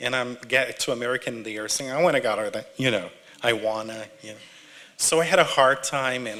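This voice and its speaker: A man with a Brazilian accent, medium pitch and fairly quick pace. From Brazil, Sao Paulo. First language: Portuguese. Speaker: speaker sharing immigrant story. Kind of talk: personal storytelling talk. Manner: conversational, filler-heavy.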